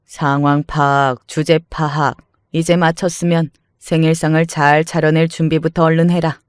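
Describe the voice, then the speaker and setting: A man voicing a domineering, scornful older mother-in-law, scolding in a shrill, contemptuous way. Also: little pitch movement, moderate pace, clear, resonant tone, dry recording, studio quality, lightly acted. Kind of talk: dramatized story reading.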